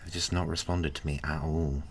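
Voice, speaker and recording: A man playing a laid-back, kind, teasing male friend in an ASMR roleplay, chatting casually and haltingly to the listener. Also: a bass voice, fairly even intonation, slight background noise. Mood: awkward, let down. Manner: hesitant, halting, colloquial, with sighs and soft chuckles.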